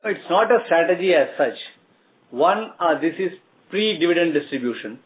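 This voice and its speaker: A man with an Indian accent answers as a company executive on an earnings call, explaining in a halting, measured way. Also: a little high, animated. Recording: tinny phone-like conference line.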